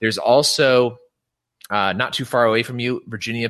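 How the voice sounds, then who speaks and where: With an American accent, a man speaks at a medium pitch in a bright, sharp tone. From California. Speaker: wine podcast host. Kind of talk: casual interview chat.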